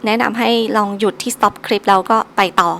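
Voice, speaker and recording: A woman's voice: medium pitch, fairly even intonation, moderate pace, a bit bright, a little hiss or hum. A woman teaching a solo recorded language lesson, patiently drilling each syllable three times over.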